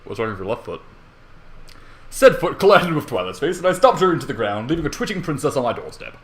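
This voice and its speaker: A man's voice: mid-range voice, big pitch swings, fast. A young man reading fan fiction casually as an amateur narrator, with rambling, self-deprecating asides and swearing. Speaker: amateur story reader. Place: bedroom at home.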